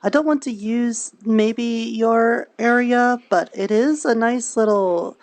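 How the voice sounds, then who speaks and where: A woman's voice: a little high, slow pace, darkish tone. A woman speaking in character in an improvised, conversational roleplay. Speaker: roleplayer in a virtual reality game.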